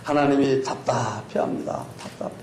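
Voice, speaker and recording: A male pastor preaching a sermon, telling the story with lively rhetorical questions to the congregation. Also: moderate pace. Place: church sanctuary. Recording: echoey church hall with faint rumble.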